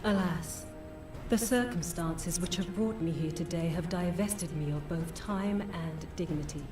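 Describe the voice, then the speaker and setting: A woman playing a dignified, solemn noblewoman in a fantasy game, speaking formally and with measured courtesy. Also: fairly low pitch, close to an everyday voice. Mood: solemn, humble. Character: dignified, solemn foreign noblewoman pleading for refugees. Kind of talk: scripted fantasy game acting. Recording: roomy, distant game audio under music.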